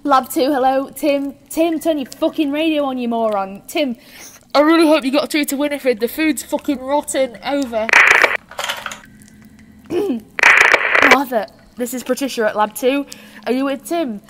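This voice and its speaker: A woman's voice: high-pitched, unhurried. A woman playing an urgent, foul-mouthed Arctic research scientist in an audio drama. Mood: irritated, urgent. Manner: urgent, sweary, breaking into cries. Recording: very noisy radio-drama sound, clicks.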